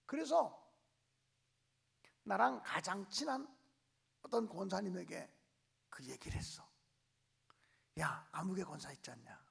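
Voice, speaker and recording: Animated high-voiced male pastor preaching. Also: measured pace, vocal fry, long pauses, breathy edge. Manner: animated storytelling, voicing church members in dialogue. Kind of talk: revival sermon with acted-out anecdotes. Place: church sanctuary.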